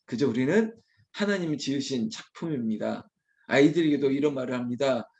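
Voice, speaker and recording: A man's voice: mid-range voice, lively intonation, brisk, a little mellow. A man preaching an early-morning sermon as a pastor, emphatic and acting out prayers to God. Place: prayer retreat center.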